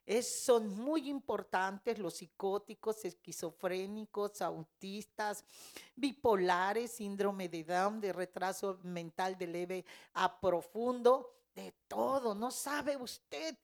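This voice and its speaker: A woman's voice: mid-range voice, takes it slowly. A middle-aged woman giving a fervent Christian testimony in an interview, telling her story with emotion. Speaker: care home director.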